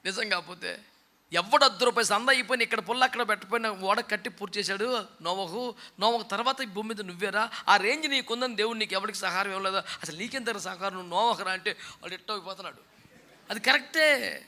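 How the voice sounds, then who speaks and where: A man's voice: sits high, fast talker, pushed and bright. A man preaching a sermon in a scolding, mocking way, often acting out the people he quotes. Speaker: pastor. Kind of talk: fiery sermon.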